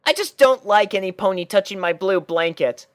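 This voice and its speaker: A man voicing a clingy, sheepish little boy baby dragon in a high-pitched cartoon voice. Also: lively intonation, moderate pace.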